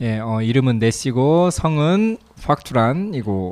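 A man's medium-pitched voice, a plain, everyday voice, with lively intonation. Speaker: migrant workers' center staff member. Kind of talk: group introductions with interpreting.

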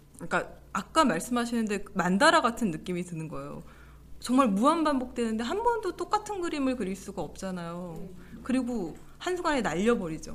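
Pitch leaps and dips over a very wide range. Delivery holds a middling tempo. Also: woman. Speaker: reading group participant. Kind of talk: poetry reading discussion.

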